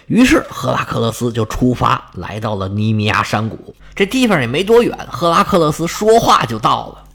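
A man's voice: medium pitch, animated, normal speed, vocal fry, fairly bright tone. A man telling a myth in a chatty, folksy storyteller manner, adding sound effects. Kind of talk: storytelling narration.

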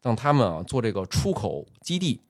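A man hosting a podcast, telling a story in casual chat, full of drawn-out filler particles. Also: mid-range voice, big pitch swings, dry recording, studio quality. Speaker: podcast host.

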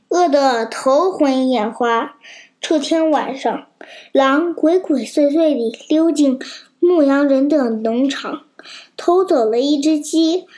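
A young child reading a fable aloud as a storyteller, slow and careful. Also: female voice, sits high, a little mellow.

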